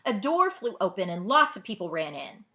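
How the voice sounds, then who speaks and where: Librarian lady doing a read aloud for kids, super lively pitch, bright voice, chats to the listeners. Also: normal speed. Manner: expressive, addresses young listeners with questions. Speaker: librarian storyteller. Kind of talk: children's read-aloud narration.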